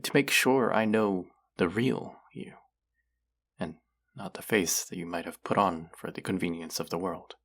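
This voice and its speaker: Man playing a low, creaky-voiced gentle immortal. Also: a little slow, full character voice. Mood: hesitant confession. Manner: hesitant, confessional, softly reassuring. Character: thousand-year-old secretly immortal man, gentle, earnest, wry confidant. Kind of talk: intimate scripted audio roleplay.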